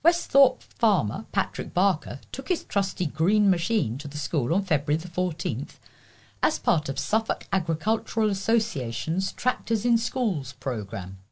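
A woman's voice: on the low side, very animated, normal speed, darkish tone, slightly rough. A woman with a British accent reading scripted local news and letters as a volunteer newsreader. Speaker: volunteer newsreader for a talking newspaper.

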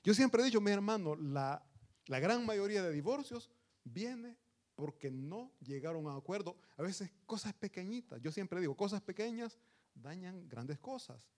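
A preacher gives an earnest, emphatic sermon, addressing his listeners as brothers. His voice is somewhat higher than most men's, with a darkish tone and big swings in pitch, delivered at normal speed.

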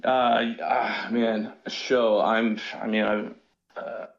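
A man calling in to a talk show, his low voice gravelly with fry. He hesitates and fills his sentences with "um" and "like." The line is dull and muffled. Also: level tone, slow pace. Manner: hesitant, filler-heavy. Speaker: caller. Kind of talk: casual phone call.

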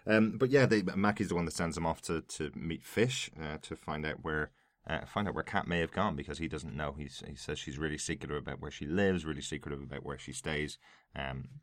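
A man's voice: extremely low pitch, brisk, dry recording, studio quality. An Irishman co-hosting a podcast, chatting casually and prompting his co-host with questions.

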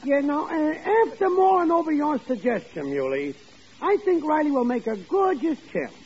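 A genial, slow-witted lodge brother talks in a very high, wildly swooping voice with folksy grammar and grand words. It is vintage radio comedy on a dull, faintly noisy recording. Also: male voice, big pitch swings, crowd noise. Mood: genial, oblivious. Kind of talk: old-time radio sitcom acting.

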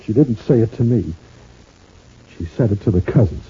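Aggrieved working-class husband, old radio serial. Very rough voice, plaintive and proud, dull vintage recording. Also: male voice, lowish voice, lively intonation, moderate pace, warm tone. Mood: hurt.

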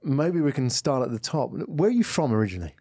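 A man's voice: medium pitch, sing-song, quick pace, dark tone, husky, dry recording. A man hosting a tech podcast interview in a studio, asking rambling conversational questions. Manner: conversational, leading questions with many fillers. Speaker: podcast host.

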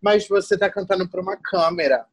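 A young adult woman from Salvador, Bahia, a tired guest artist talking in an animated, slangy way full of restarts. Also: on the low side, a little fast, a little hiss or hum. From Salvador, Bahia, Brazil. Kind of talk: casual conversation.

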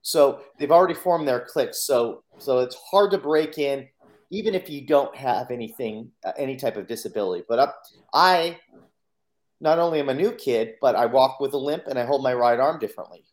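A man's voice: medium pitch, a little fast. Earnest man telling his life story. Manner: earnest, acts out his own inner voice in quotes. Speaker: podcast guest. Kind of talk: personal storytelling.

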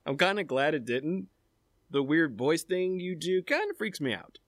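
A young man in a scripted audio drama, speaking with dry, wary deadpan. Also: on the high side, normal speed, no room sound.

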